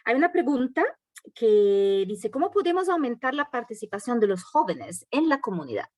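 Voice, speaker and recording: A woman's voice: a little high, big pitch swings, moderate pace, darkish tone, no echo, studio quality. A woman moderating a panel discussion, reading out audience questions with hesitant fillers.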